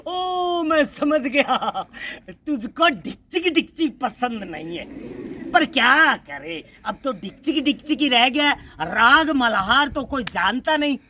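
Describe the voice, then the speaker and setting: A man's voice: very high-pitched, takes it slowly, slight background noise. A man performing a theatrical monologue on stage, talking with feeling to a young sapling. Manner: emotional and animated, talks to a sapling.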